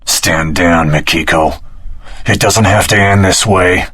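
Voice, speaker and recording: A man's voice: sits low, takes it slowly, sharp tone, exaggerated voice. An actor voicing an earnest, honorable swordsman hero in a dramatic video game performance. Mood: grave, resolute. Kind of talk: scripted video game voice acting.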